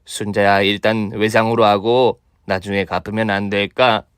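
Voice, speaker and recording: A man's voice: fairly low pitch, level tone, normal speed, clean tone, no room sound, clean studio sound, natural voice. A man voicing a shameless, freeloading older mother-in-law in a comic radio drama, melodramatic and wheedling. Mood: defeated, pleading.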